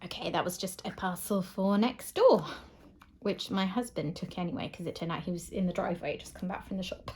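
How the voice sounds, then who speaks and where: Speaking a little fast in a fairly low, darkish voice, a middle-aged British craft channel host rambles chattily while crafting indoors at home. She chuckles often along the way.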